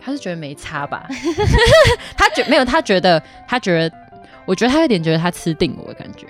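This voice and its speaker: 一位带台湾口音的女主持人，在轻松闲聊，说话直率爱调侃，常笑。. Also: female voice, mid-range voice, wildly swooping pitch, quick pace, soft background music. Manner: teasing, frank, laughs a lot. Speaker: co-host. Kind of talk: casual chat.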